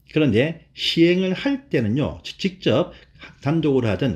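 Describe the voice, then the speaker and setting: A somewhat breathy man's voice at a moderate pace. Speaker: professor teaching exam-prep law course. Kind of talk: lecture. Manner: halting, frequent fillers and restarts.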